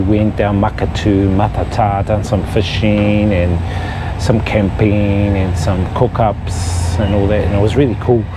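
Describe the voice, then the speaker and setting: Loud background noise runs throughout. Through it, a man is talking. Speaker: travel vlogger. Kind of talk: casual vlog chat. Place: train. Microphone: phone near.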